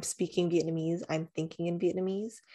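A woman's dark, mellow voice with an American accent and fairly even intonation, in a very clean recording with a silent background. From California, US. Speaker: podcast co-host. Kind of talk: casual chat.

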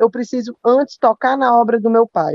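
In a dry, close recording with no echo, a woman speaks at a moderate pace with a fairly high pitch. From Brazil, Northeast (Fortaleza, Ceará). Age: 20s. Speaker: singer. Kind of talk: interview. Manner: halting.

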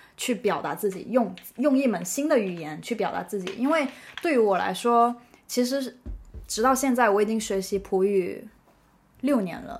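Pausing long and often, a woman speaks at a moderate pace with a fairly high pitch and lively intonation. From Macau, born in Guangdong. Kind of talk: casual chat interview.

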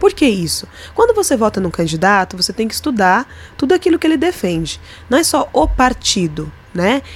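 Pitched fairly high for a woman, her voice makes very wide pitch swings at a fairly quick pace. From Araraquara, São Paulo interior, Brazil. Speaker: state legislator. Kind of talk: interview.

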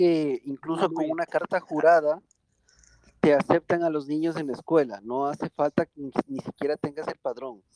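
A man's plain, everyday voice at a moderate pace, with fairly even intonation and a dry, close sound with no echo. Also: fairly high pitch for a man. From Ecuador. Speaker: student visa applicant. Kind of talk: group voice chat question.

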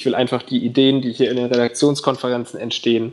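A man's medium-pitched, flat monotone delivery at a fairly quick pace. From Baden-Württemberg, Germany (Eppingen near Sinsheim). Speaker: web TV presenter. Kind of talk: casual interview chat.

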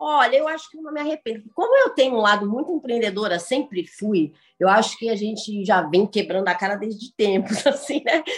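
A woman speaks at a fairly quick pace and a fairly high pitch, with hardly any pauses. Her voice is somewhat breathy, with lively intonation and big swings in loudness. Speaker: small business owner. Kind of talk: interview.

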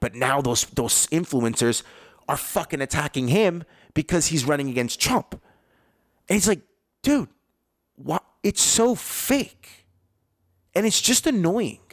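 An animated man's voice, fairly high in pitch, with very even loudness and a dry, close sound with no echo. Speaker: podcast host. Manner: loud, ranting, heated, swearing, fast and animated; casual, rambling, jumps around.

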